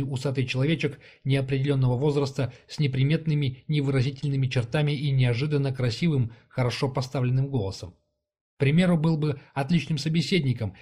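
A man narrating a fantasy novel as an audiobook, in an even, measured reading style. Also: medium pitch.

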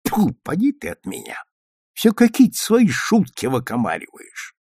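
Guy doing a grumbly worried old granny, voice jumps up high, all over the place, dry sound. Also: expressive, darkish tone, no room sound, natural voice. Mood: fretful. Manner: grumbling, fretful, quick to scold. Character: fussy anxious old grandmother.

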